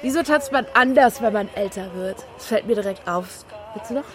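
A woman playing a pensive, uneasy babysitter who talks and narrates in a low-key, hesitant, natural way in a radio drama. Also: brisk, close to an everyday voice. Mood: musing, doubtful. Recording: music under the voice. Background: music.

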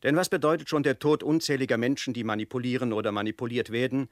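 An actor reading as a grave, critical author, in a formal, emphatic radio-feature manner. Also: male voice, medium pitch, fairly even intonation, fast talker, dry recording, studio quality, close to an everyday voice. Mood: earnest, critical.

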